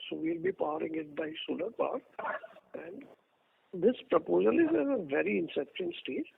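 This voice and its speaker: High, very creaky Indian man. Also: very animated, normal speed. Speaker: company executive answering questions. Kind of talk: explanatory answers on an earnings call. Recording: noisy, narrow phone line.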